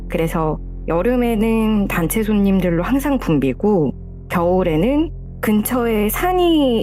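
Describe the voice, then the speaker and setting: A woman telling her own true story in a soft, mellow voice. Her pitch rises and falls a lot as she recounts it, yet her delivery stays calm and measured, like a caller on a show. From South Korea. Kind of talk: first-person horror story narration.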